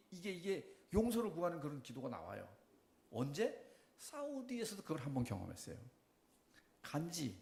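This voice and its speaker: Animated man preaching in an echoey church. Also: high-pitched. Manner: animated storytelling with questions to the congregation. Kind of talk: sermon testimony.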